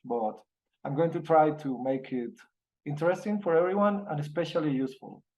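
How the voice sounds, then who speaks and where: A man with a Colombian Spanish accent, lecturing in English on a video call. His voice sits a little high but sounds soft and mellow, and he speaks haltingly, pausing on fillers and restarting phrases. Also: dull audio. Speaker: university professor. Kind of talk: online masterclass lecture.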